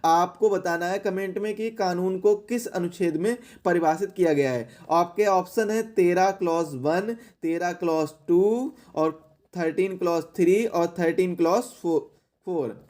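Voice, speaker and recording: A man's voice: high-pitched, a little slow, a little mellow. A man teaching an exam question-and-answer lesson in a didactic way, repeating key phrases for emphasis.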